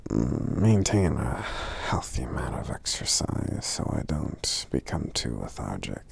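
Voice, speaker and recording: A man voicing a gentle, sleepy, affectionate giant in a soft-spoken ASMR roleplay, murmuring slowly and hesitantly in a gravelly half-whisper. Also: extremely low pitch, very animated, heavily acted. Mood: tired, reassuring. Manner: slow, hesitant, murmuring with frequent hums.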